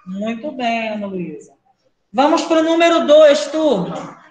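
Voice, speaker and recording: A woman with a Brazilian Portuguese accent teaching a primary class online, brisk and questioning, calling pupils by name. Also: on the high side, big pitch swings, a little mellow, reverberant, rough recording.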